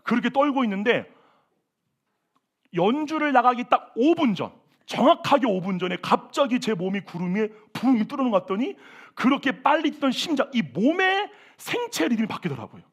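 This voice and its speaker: A man preaching a sermon as senior pastor at a church service, animated and exclamatory, with self-mocking asides. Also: very high-pitched, normal speed.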